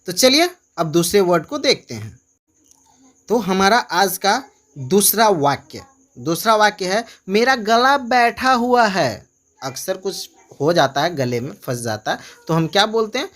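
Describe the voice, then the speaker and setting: A man's voice: high voice, very animated, a bit bright. Man, English tutor, casual online lesson, drags out example phrases, coaxing and chatty. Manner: repeats example phrases slowly and keeps urging viewers to comment.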